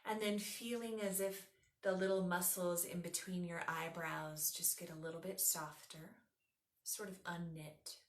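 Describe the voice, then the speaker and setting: Lowish voiced lady teaching yoga nidra, soothing slow guided meditation, echoey room. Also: fairly even intonation. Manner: soothing, instructive, unhurried guiding.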